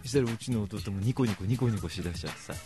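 A man hosting a radio show, telling a comic story in rough, blunt casual speech and retelling it with big exaggeration. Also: fairly low pitch, rapid-fire, warm tone, soft background music.

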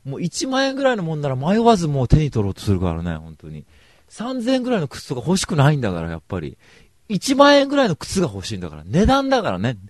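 A man hosting a radio show, telling a comic story in rough, blunt casual speech and retelling it with big exaggeration. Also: a little high, huge pitch swings, fast talker, no echo, clean studio sound.

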